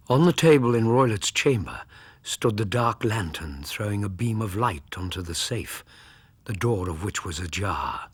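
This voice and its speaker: A man with a low, very husky voice tells the story in a grave, measured way. The sound is dry and close, with no room echo. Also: fairly bright tone. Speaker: narrator. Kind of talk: scripted storytelling narration.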